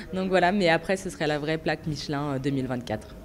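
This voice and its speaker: A woman restaurant owner answering interview questions, excited and laughing often. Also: low voice, brisk.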